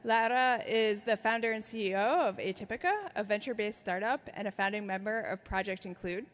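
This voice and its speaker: A woman chairing a conference session, reading a speaker's prepared introduction in a steady way. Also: medium pitch, fairly quick. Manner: reads a prepared bio steadily. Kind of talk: formal introduction. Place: large conference hall. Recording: echoey large hall.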